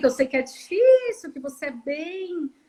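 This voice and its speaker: With a São Paulo accent, a woman speaks at a very slow pace with lively intonation. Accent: drawn-out paulistano accent, S. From São Paulo city. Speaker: pediatrician. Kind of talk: casual chat on live stream. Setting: Instagram live video.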